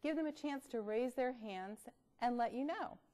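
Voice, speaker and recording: A woman presenting read-aloud tips in an expressive, instructional way, with deliberate emphasis. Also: on the high side. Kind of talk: instructional talk with storybook reading.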